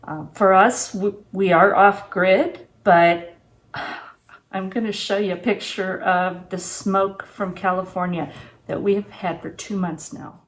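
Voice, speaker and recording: In her home kitchen, a woman in her sixties vlogs casually to the camera, offering practical, plain-spoken advice on preparedness along with a product review. Her mid-range voice stays steady, and she takes her time.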